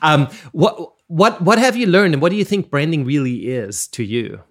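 A man's voice: on the high side, expressive, normal speed, fairly bright tone. A man with an Austrian accent hosting an interview, laughing often and repeating his words as he stumbles into questions. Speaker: interview host. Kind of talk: casual podcast interview.

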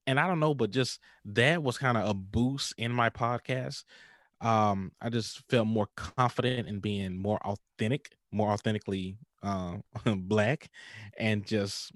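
Low-voiced African American man in his thirties. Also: a little slow, no echo, studio quality. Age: 30s. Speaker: pastor and podcaster. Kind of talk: casual podcast interview.

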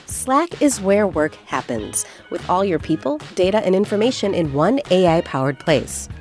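A woman announcer giving a smooth, upbeat scripted ad read. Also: medium pitch, darkish tone. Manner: smooth, upbeat promotional delivery.

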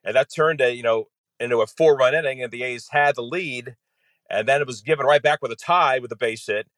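A man's voice: medium pitch, brisk, a bit bright, no echo. A man, a radio play-by-play announcer appearing as a guest, walking through a game in conversational detail with frequent "you know"s.

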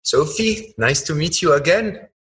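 A man's voice: on the high side, lively intonation, unhurried, a bit bright, husky. A man hosting an interview podcast, moving between scripted introduction and conversational questions. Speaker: podcast host.

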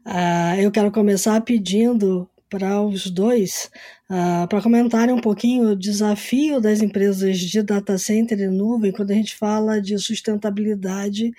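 A woman hosting a podcast, reading a measured scripted intro and then leading the interview. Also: medium pitch, steady tone, dark tone. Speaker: podcast host.

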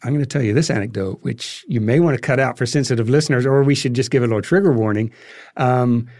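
Halting man telling anecdotes, dry close sound. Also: medium pitch, darkish tone, no room sound. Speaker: interview guest, filmmaker. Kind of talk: interview anecdotes, conversational storytelling.

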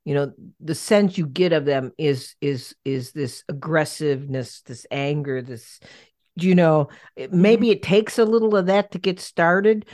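Low-voiced woman host, stammery and animated, dry sound. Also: no room sound. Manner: animated, halting, many restarts and stammers. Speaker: podcast host. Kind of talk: casual conversation.

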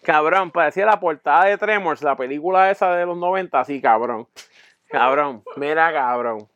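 A man telling a crude story in a podcast chat, profane and animated, acting out voices and sounds. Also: a little high, normal speed, no room sound, muffled recording.

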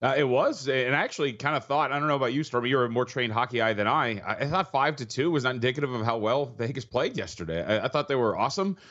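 A husky, tired-sounding man who talks at a rapid clip, piling stat after stat into his analysis. He stumbles and restarts as he goes. The line is dull and lo-fi, as if he is calling in remotely. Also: medium pitch, expressive, fairly bright tone. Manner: fast, stat-heavy, with frequent restarts. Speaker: betting analyst guest. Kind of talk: rapid sports betting analysis.

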